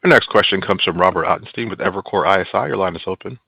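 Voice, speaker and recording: A man's voice: low voice, racing, creaky, pushed and bright, breathy edge, dry recording. A man working as a conference call operator, making scripted announcements. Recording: dull, dry conference line.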